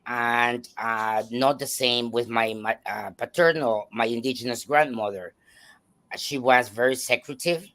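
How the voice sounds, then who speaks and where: Man, Salvadoran accent, native spanish speaker, slow unhurried talk, halting with fillers. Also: medium pitch, fairly bright tone. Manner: hesitant, many fillers and restarts. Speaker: guest. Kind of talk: personal storytelling in a talk show.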